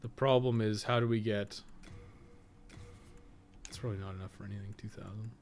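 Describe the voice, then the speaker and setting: A man's voice: on the low side, steady tone, brisk, a little mellow, soft background music. A man doing casual livestream commentary on a video game, rambling and muttering his thoughts aloud as he plays. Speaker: host of a game guide livestream.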